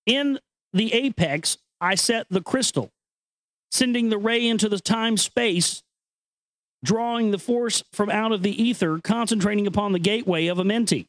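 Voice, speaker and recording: A man's voice: high-pitched, normal speed, fairly bright tone, no room sound, low-quality recording. A man hosting a show, moving between dramatic reading and casual, earnest, conspiratorial commentary. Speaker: host reading an ancient text with commentary.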